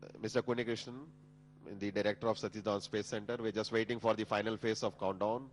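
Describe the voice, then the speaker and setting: Male launch commentator, Indian accent, fairly deep, measured and formal, slight hum behind the voice. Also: flat delivery, rough recording. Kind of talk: live technical commentary. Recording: humming background noise.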